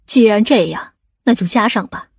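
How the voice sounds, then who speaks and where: A woman playing a practical, inquisitive sister in an audiobook family drama, measured and straightforward. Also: mid-range voice, vocal fry, slightly rough, no room sound, studio quality.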